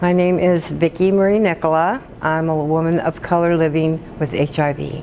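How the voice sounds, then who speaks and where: A woman with an American accent talks at a moderate pace, her fairly low voice keeping very even loudness and fairly even intonation. Noticeable background noise runs under her speech. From Seattle, Washington. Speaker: woman living with HIV, support network member. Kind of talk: personal testimony interview.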